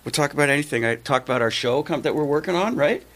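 A man's voice: fairly high pitch, lively intonation, fast, fairly bright tone. A man in his fifties from South Africa, raised in Canada, chatting as a stand-up comedian guest in a dry, self-deprecating, rambling way. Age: 50s. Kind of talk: casual comedic chat.

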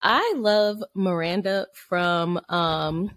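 A woman's voice: lowish voice, very slow, fairly bright tone. A woman hosting a podcast in a casual chat, agreeing readily and laughing often. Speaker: podcast host.

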